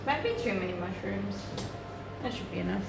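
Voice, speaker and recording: A woman's voice: medium pitch, expressive, a little fast, gravelly, reverberant, very noisy. A Danish woman with a Danish accent, chatting casually with her livestream viewers while she cooks, laughing often. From Denmark. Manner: chatty, laughs often, reads chat aloud. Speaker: live streamer. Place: home kitchen.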